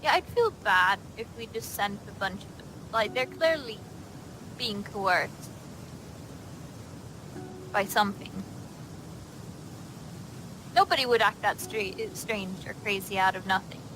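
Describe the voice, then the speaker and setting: A woman's voice: mid-range voice, slow, long pauses, noisy background. A woman speaking casually in character as a player in a tabletop roleplay session.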